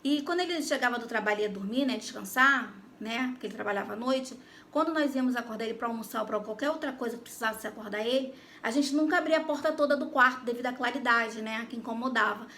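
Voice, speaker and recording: Brief: Brazilian woman, high bright voice, animated faith testimony to her viewers, faint noise behind. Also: fast. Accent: Brazilian Portuguese. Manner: animated, addresses listeners directly. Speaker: Christian YouTuber giving testimony. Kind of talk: personal faith testimony storytelling.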